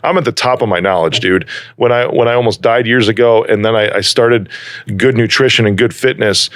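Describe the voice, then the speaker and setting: A man's voice: medium pitch, fairly quick, fairly bright tone, no room sound. A man from Chicago with a neutral American accent, hosting a podcast in a laid-back, jokey way. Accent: neutral American, trained away from Chicago. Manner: laid-back, jokey, calls people dude. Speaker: podcast host. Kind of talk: casual podcast chat.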